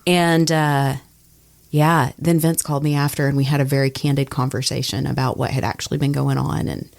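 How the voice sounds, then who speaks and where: A woman's voice: rumbling low, little pitch movement, a little fast, creaky, darkish tone. A woman telling work stories in a casual podcast conversation, speaking in a candid, reflective way as a radio personality.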